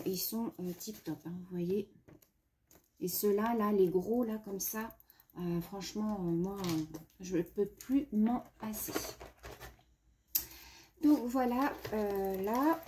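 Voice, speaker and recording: Sniffly female vlogger, unhurried chatty delivery with lots of ums, mellow tone, faint hiss behind. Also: mid-range voice. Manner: chatty with many hesitations. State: sniffly runny nose. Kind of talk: casual chat.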